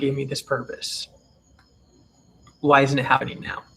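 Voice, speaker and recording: Noticeable background noise is present. Over it, a man with a fairly high pitch speaks at a moderate pace. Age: 20s. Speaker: spiritual content creator. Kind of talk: live stream chat answering comments. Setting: live stream. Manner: casual, filler-heavy (like, um).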